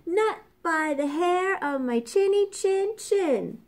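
A woman's voice: very high voice, expressive, slow pace, a little mellow, voice pushed up, heavily acted. Woman doing squealing little pigs. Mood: defiant squeal. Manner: squealing, sing-song. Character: small squealing male piglets, defiant.

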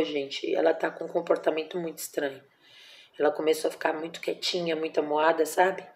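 A woman's voice: deep voice, darkish tone. A Brazilian woman in her forties, a mother telling a personal story at home in a casual vlog, emotional and tender, full of diminutives and fillers. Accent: Brazilian Portuguese. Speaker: vlogger, mother.

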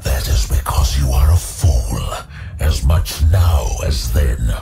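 A man voicing a commanding, contemptuous demon lord in a fantasy audio drama, with slow menace. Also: a bass voice, gravelly, warm tone, soft background music, voice pushed down, exaggerated voice. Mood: scornful.

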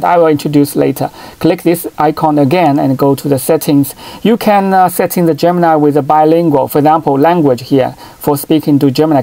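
A middle-aged man, a native Chinese speaker, giving a hands-on phone tutorial at a desk, talking haltingly with lots of fillers and restarts. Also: on the high side, creaky, mellow, no echo. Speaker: tech channel host. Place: desk at home, in front of a computer.

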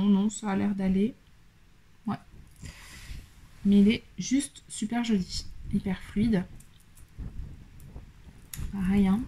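Chatty woman with a mellow voice. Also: medium pitch. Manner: chatty, many fillers, handling and showing fabric. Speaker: sewing vlogger. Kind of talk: casual fabric haul chat.

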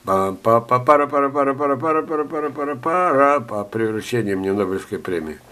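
A man's voice: mid-range voice, animated, brisk, bright, forceful tone, faint music behind. An older man, ill and coughing often, reading viewers' letters aloud in a chatty gardening lesson with joking asides. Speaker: gardening teacher. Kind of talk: screen-share talk reading viewer letters.

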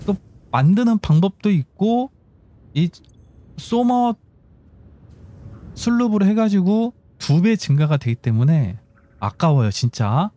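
Fairly high in pitch but dark in tone, this male gaming YouTuber narrates his gameplay casually while faint game music plays. He explains the build as he goes, instructing and muttering to himself through each step.

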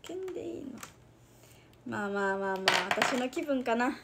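A woman's voice: fairly high pitch, expressive, normal speed, creaky, heavy background noise. A young woman hosting a casual livestream, chatting with viewers and reading their comments, giggling often. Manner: giggly, bubbly, laughs often. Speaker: idol livestream host.

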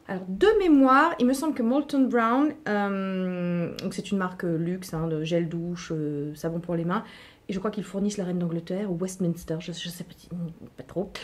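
A middle-aged woman chatting casually as a beauty vlogger unboxing products, talking to her viewers with frequent fillers and restarts. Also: medium pitch. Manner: playful asides to viewers.

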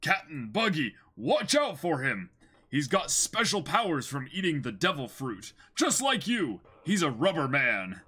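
Man putting on a loud, frantic pirate henchman. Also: a little high, big pitch swings, measured pace, husky, full character voice. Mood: alarmed. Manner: frantic, exclaiming. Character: excitable loud male pirate crewman.

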